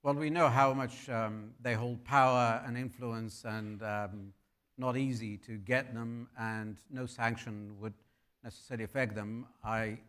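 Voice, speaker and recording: A man's voice: medium pitch, fairly even intonation, unhurried, fairly bright tone. Man from Iraq moderating a panel. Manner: steers questions, cuts in politely. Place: conference hall.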